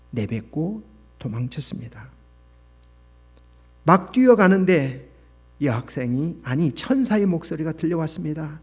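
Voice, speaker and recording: A man's voice: fairly high pitch, dark tone. A male pastor praying and then reading a letter aloud as a dramatic story in a revival sermon.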